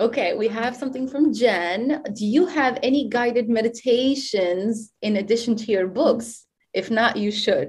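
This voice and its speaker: In a plain, everyday voice, a woman speaks at a moderate pace and fairly high pitch, with ordinary pitch variation and hardly any pauses. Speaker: conference co-host. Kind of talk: hosting, introduction and Q&A. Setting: online conference call.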